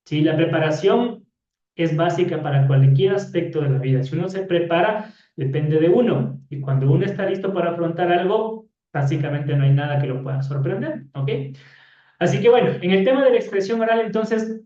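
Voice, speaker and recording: A man with a slightly high, warm voice lectures quickly in a classroom, explaining things and often tagging his sentences with "¿sí?" and "¿ya?". The room is echoey and the microphone is distant and dull.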